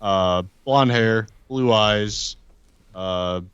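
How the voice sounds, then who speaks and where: A man casually describing his game character as a podcast player, halting and matter-of-fact. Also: on the low side, fairly bright tone, clear, resonant tone, no room sound, muffled recording.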